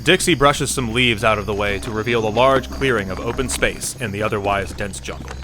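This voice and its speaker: A man narrates an audio drama from a script, slipping in wry asides. His voice is somewhat low, and music plays clearly beneath him. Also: a little fast.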